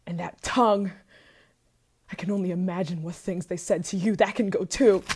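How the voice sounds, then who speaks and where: A woman's voice: lowish voice, fairly even intonation, moderate pace, darkish tone, slight background noise, close to an everyday voice. A woman playing an obsessive, possessive, murderous yandere lover in an intimate ASMR roleplay monologue, moving between whispers and frantic outbursts. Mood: jealous, frantic rage.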